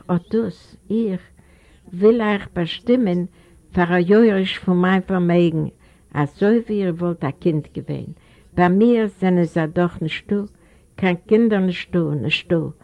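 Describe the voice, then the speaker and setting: A woman's voice: fairly low pitch, slow pace, muffled recording. A woman reading as a broken old man. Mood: pleading. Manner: pleading, earnest.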